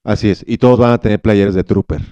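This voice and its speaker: A Mexican man in his thirties playing a calm, businesslike reality-show producer in a deadpan phone prank. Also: on the low side, fast talker, no room sound, dull audio, natural voice. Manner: deadpan, matter-of-fact. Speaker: prank caller. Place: small indoor podcast studio. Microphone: close studio microphone.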